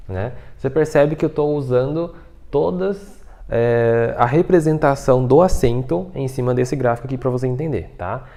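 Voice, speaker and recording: In a casual video lesson, a Mandarin teacher patiently explains pronunciation, often checking in with fillers like "tá?" and "né?". His medium-pitched voice is gravelly and warm, moving at a normal speed.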